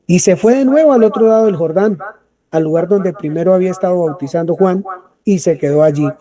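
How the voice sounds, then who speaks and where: High, mellow-voiced male preacher. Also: a little fast. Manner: asks the congregation rhetorical questions, then answers them. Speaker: preacher leading a Bible study. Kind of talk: sermon.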